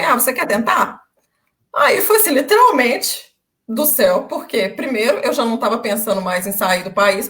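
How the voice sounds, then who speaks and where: A young Brazilian woman with a Brazilian Portuguese accent, chatting as an interviewee on a video call, telling her story with lively ups and downs and lots of filler pauses. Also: a little high. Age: young adult. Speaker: interviewee, former language student. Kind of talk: casual interview chat.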